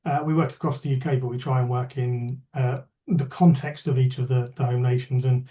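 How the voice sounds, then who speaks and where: Mellow-voiced man giving polite remarks. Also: mid-range voice, fairly even intonation, brisk. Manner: polite, fillers and repeats. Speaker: chief executive. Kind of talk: closing remarks in a meeting.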